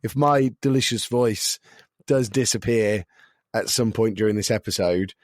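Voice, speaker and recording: A man hosting a casual podcast, his voice a little croaky, talking with dry self-deprecating humour. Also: lowish voice, measured pace, darkish tone, no echo. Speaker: podcast host.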